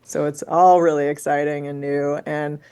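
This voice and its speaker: A woman with a low voice talks about gallery shows on a radio arts program. She sounds chatty and enthusiastic. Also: little pitch movement, normal speed, dark tone, smooth. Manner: chatty, enthusiastic, laughs easily. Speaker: gallery curator, guest. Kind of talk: radio interview.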